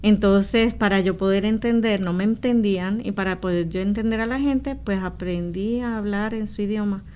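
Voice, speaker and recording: A woman's voice: medium pitch, moderate pace, a little mellow, smooth, lo-fi sound. A woman from Rico, talking earnestly and explaining things as a missionary guest in an interview. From Puerto Rico. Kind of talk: conversational interview testimony.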